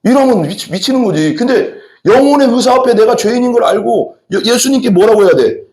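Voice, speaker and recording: A man's voice: very high-pitched, brisk. A man preaching a sermon as pastor, talking straight to his congregation and often throwing questions at them. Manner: animated, talks directly to the congregation with frequent questions. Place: church sanctuary. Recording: echoey church hall.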